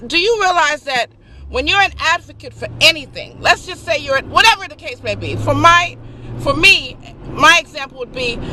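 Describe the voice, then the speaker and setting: A woman's voice: high-pitched, background noise. A woman giving an emphatic, preachy motivational vlog talk, calling her viewers honey. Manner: laughs and gets emotional. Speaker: vlogger.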